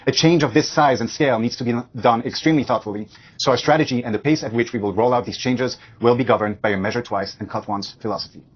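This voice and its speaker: A man's voice: medium pitch, slightly rough, highs cut off. A man speaking as a company executive, reading prepared earnings call remarks in a businesslike manner.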